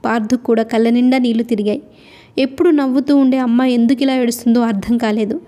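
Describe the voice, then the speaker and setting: A woman's voice: a little high, steady tone, fast talker, mellow. A woman reading a novel aloud as an audiobook narrator, telling the story steadily.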